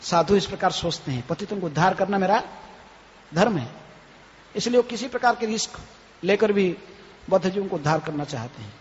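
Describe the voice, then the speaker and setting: A man, a swami, giving a devotional lecture, often tagging his phrases with a questioning "hain?" and chanting scripture verses slowly. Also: high voice, animated. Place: temple hall. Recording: reverberant hall, dull lo-fi, faint noise.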